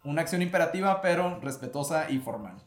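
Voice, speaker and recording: A man's voice: a little high, animated, fast, echoey room. A man co-hosting a podcast lesson, explaining grammar patiently and prompting his co-host with questions. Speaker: podcast co-host, Korean teacher. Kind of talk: casual language lesson.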